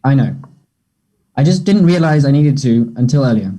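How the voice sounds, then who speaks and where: A man playing an awkward, earnest young gay man who is apologetic and unsure, speaking haltingly in a play table read. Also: mid-range voice, expressive, warm tone, natural voice. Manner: hesitant, halting.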